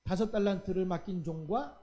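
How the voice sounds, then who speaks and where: A man's voice: high voice, a little fast, mellow, highs cut off. A middle-aged man, a pastor preaching a sermon, acting out quoted voices and asking his listeners rhetorical questions. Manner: acts out quoted voices of God and children; asks the congregation rhetorical questions.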